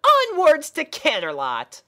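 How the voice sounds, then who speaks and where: Perky storybook unicorn princess done by a male reader: very high falsetto, bossy, giggly, carefree. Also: huge pitch swings, slow, pushed and bright, heavily acted. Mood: bossy, eager. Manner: chirpy, pushy, exclaiming in falsetto.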